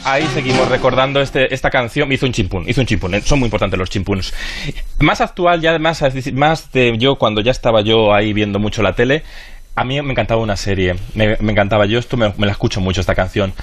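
A man's voice: lowish voice, quick pace. Chatty man on radio. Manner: chatty and nostalgic, hums and sings snippets. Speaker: radio TV-history pundit. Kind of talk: casual radio chat.

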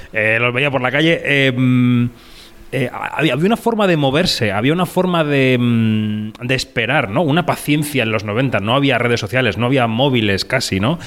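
A man's voice: medium pitch, fairly bright tone. A male interviewer from Madrid with a plain mid-range voice. He asks long, rambling questions, hesitating with fillers as he goes. The tone is casual and conversational. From Madrid, Spain.

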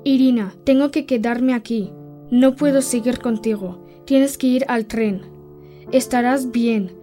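A woman reading as a worried, gentle father. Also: a little high, measured pace, faint music behind, close to an everyday voice. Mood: sorrowful.

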